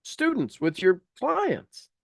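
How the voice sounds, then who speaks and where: A man's voice: very high voice, huge pitch swings, takes it slowly, vocal fry, dry recording, studio quality. A man leading a coaching class in an informal, blunt and prodding way, with folksy turns of phrase. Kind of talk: informal coaching talk mixed with reading aloud from a book.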